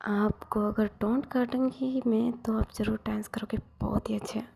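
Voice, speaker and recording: A woman telling a romantic story in whispered role-play, voicing every character herself in a soft husky whisper. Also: a little high, fairly even intonation, moderate pace.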